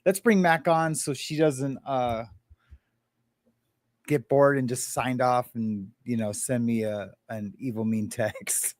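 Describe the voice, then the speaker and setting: A man co-hosting a live chat stream, loose and rambling, often laughing and restarting his sentences. His voice sits at a middle pitch for a man. The sound is close and dry, with no room echo. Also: slow. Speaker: livestream co-host.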